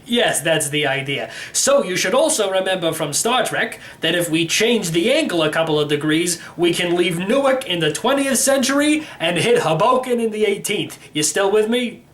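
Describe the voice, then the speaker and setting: A man's voice: sits high, lively intonation, normal speed, few pauses, a bit bright. Guy doing a quirky old uncle from a kids book, brusque, kinda lecturing, quizzes you on everything. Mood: emphatic, pleased. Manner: emphatic, quizzing, teacherly. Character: elderly, eccentric, brusque uncle, a time-travel tutor. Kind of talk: storybook character reading.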